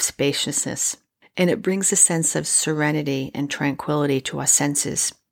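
With a calm, soothing tone and a very deep, low pitch, a woman speaks at a moderate pace on a very clean recording with a silent background and a dry, close sound with no echo. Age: 50s. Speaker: mindfulness podcast host and coach. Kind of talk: podcast monologue with guided mindfulness exercise.

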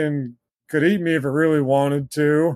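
On a very clean recording with a silent background, a man with an American accent talks at a moderate pace in a normal speaking voice with a fairly high pitch. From central Virginia. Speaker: nature photographer and writer. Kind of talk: interview conversation.

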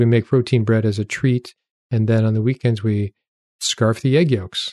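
Recorded very cleanly against a silent background, this man's voice has a dark, mellow tone at medium pitch, fairly even intonation, and a dry, close sound with no echo. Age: 60s. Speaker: podcast host, naturopathic doctor. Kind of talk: solo podcast monologue. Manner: casual, conversational.

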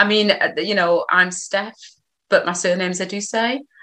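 Bright and sharp in tone, a woman talks at a fairly slow pace with ordinary pitch variation. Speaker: event and podcast host. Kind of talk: hosting a live discussion. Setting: video call.

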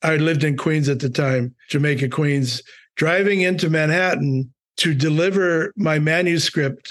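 A man in an ordinary speaking voice talks with an American accent at a fairly high pitch, with very even loudness and fairly even intonation against a quiet background. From US Midwest, Milwaukee. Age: 60s. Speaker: jazz journalist and author. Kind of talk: interview.

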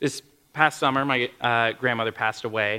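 Bright and sharp in tone, a man's voice keeps a fairly even intonation. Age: 20s. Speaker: youth pastor. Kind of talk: sermon.

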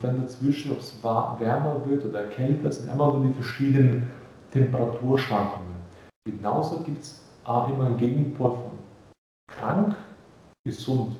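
Somewhat breathy and dark, mellow in tone, a man speaks at a fairly slow pace with a medium pitch, ordinary pitch variation, big swings in loudness and audible room echo. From Bosnia. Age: 30s. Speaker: health coach. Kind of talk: interview. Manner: animated.

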